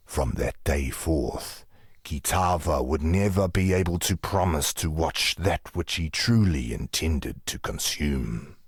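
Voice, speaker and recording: An actor playing a solemn tribal storyteller in a video game, recounting myths of gods in a grave, deliberate, gravelly voice. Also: male voice, low voice, no echo, studio quality, heavily acted. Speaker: lore narrator. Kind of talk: slow mythic storytelling.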